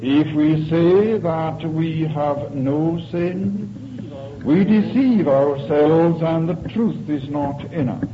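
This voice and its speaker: A man with a Scottish Highland accent speaking as a preacher in a formal, deliberate, solemn manner. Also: a crowd in the background. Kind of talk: sermon and solemn scripture reading. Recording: muffled recording with congregation noise.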